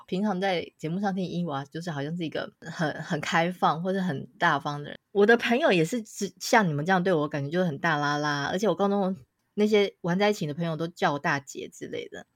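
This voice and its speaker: A young adult woman telling a story on a podcast, animated and laughing often, acting out what people said. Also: lowish voice, quick pace, dry recording, studio quality. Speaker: podcast co-host. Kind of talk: casual chat, storytelling.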